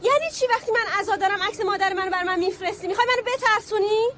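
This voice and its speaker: A high-pitched, fed-up woman in a film scene, clear street noise. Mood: angry. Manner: cold, then sharp and scolding. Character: grieving woman, fed up and furious. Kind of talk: film dialogue.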